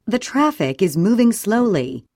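A woman reads short English sentences for a language drill, each one clear and deliberate. Her intonation moves lively up and down. The sound is dry and close, with no room behind her. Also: medium pitch, no room sound. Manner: clear, even, deliberate reading. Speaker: English audio reader. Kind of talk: slow scripted English sentence reading for drills.

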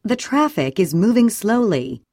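A woman reading short English sentences slowly and clearly for a listening and repetition drill. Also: mid-range voice, no echo, studio quality. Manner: clear, even, deliberate reading. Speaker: English audio reader.

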